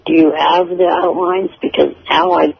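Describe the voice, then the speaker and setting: Irritable male caller: highish, extremely gravelly fry, blunt and sweary, muffled noisy phone connection. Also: level tone, normal speed. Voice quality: hard to understand. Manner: blunt, irritable, foul-mouthed. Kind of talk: casual argumentative radio call. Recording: muffled, poor telephone connection with noise.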